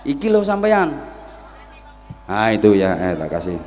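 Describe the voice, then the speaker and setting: Brief: a Javanese-accented male preacher, slow and playful, at an outdoor gathering, echoing over the PA. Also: on the low side, huge pitch swings, a little mellow. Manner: joking, storytelling, teasing the crowd. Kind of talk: humorous sermon. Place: outdoor field before a large crowd.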